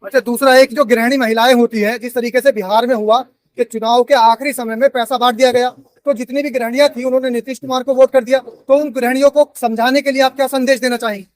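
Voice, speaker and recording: Quick high-voiced male interviewer. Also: fairly even intonation, dry recording. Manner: brisk, probing questions. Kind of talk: news interview questions.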